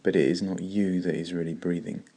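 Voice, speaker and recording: A man leading a guided meditation in a slow, calm, gentle way with long pauses. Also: low voice.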